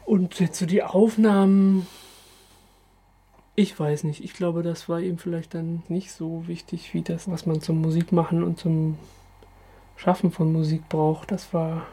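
A woman's voice: fairly low pitch, flat delivery, unhurried, mellow, husky. A woman recalling things in unscripted, conversational speech.

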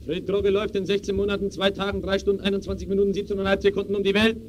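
An actor playing a clipped, declamatory newsreader of bulletins and tragedies in a 1920s-style radio play. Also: male voice, sits high, monotone, racing, slight background noise, lightly acted. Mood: urgent announcing.

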